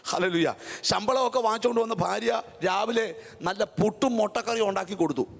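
Gravelly middle-aged woman preaching in a hall. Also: medium pitch, brisk. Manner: dramatic storytelling, bursts into shouts, peppered with amens and hallelujahs. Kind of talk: fiery revival sermon. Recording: long echo of a large hall.

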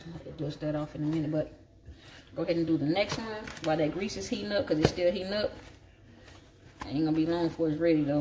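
A home cook with a low, dark-toned voice and a Southern Black accent, specifically Southern African American English from the southern United States, chats casually for a cooking vlog. She's indoors at her kitchen counter, folksy and salty, thinking aloud while she works, on a noisy home recording with clicks.

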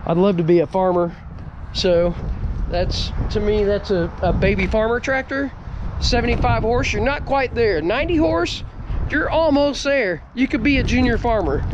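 A congested man in his forties rambles cheerfully in a fairly high voice, his talk loose and self-deprecating. He films himself outside on an action camera at arm's length, the sound a little dull with faint outdoor noise behind him. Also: normal speed. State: congested, stuffy nose. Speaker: channel host. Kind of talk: casual walkaround vlog. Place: outdoor tractor dealer lot. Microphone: action camera held at arm's length.

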